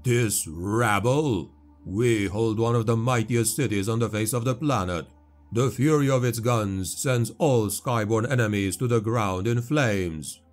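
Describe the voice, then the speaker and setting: A man voicing an armored male warrior-chaplain who talks slowly, booming and full of contempt, with faint music behind. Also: close to an everyday voice. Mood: scornful. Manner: slow, booming, scornful. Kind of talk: audiobook character voice.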